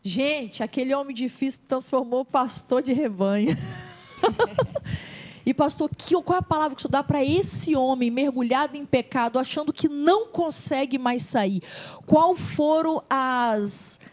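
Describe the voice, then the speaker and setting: A middle-aged woman with a Brazilian accent, a missionary co-hosting a gospel TV interview. She talks in an emotive, preacherly way and draws key words out slowly. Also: high voice, a little mellow. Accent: Brazilian Portuguese. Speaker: missionary and co-host interviewing a pastor.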